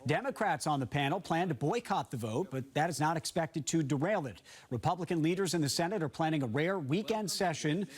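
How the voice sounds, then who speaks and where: A man's voice: a little high, expressive, a little fast, slightly rough. A man news anchor delivering scripted morning news in a broadcast style.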